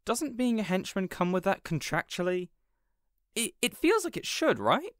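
Man as a lively, considerate supervillain boss. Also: high-pitched, moderate pace, dry recording, studio quality. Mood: concerned. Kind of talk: audio roleplay drama acting.

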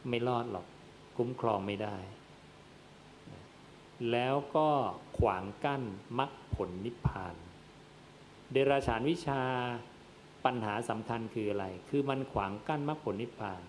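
A Buddhist monk gives a dharma sermon in a man's voice of middle pitch. He speaks straight to his listeners and puts questions that he answers himself. A faint noise runs under the recording. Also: a little slow, pauses often. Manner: addresses listeners as "yom", asks and answers his own questions.

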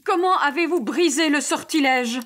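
A woman voicing a wicked queen with shrill, wailing cries. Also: normal speed, a bit bright. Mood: shocked.

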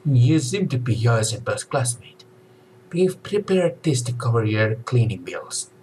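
A man's voice: mid-range voice, very animated, measured pace, a little mellow, a little hiss or hum, low-quality recording. Man reading as a courteous henchman in black. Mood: formal, apologetic. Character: formal, courteous man in black, a shady servant.

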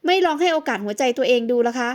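A woman voicing a young model, a caring ex-wife who speaks softly, coaxingly and very politely. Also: high voice, expressive, very fast.

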